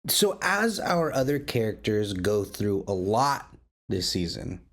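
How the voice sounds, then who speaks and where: A man's voice: fairly low pitch, big pitch swings, a little slow, a bit bright. A man hosting a roundtable discussion, talking enthusiastically and often repeating or rephrasing mid-sentence. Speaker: podcast host and interviewer.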